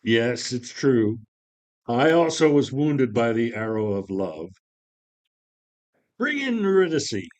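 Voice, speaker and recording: A stern lord of the dead , acted by a man in a stage play. He is imperious and curt, giving orders in a mid-pitched male voice. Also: sing-song, slow, pauses often, a little mellow. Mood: grave, commanding. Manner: commanding, curt. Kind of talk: dramatic play reading.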